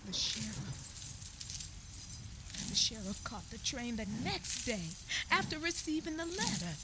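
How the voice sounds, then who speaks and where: A woman playing a grieving Black Southern narrator who recounts her family's tragic history with emotive, halting delivery and murmured asides. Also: fairly high pitch, sing-song, noisy background. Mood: sorrowful, reflective. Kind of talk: dramatic radio theatre storytelling.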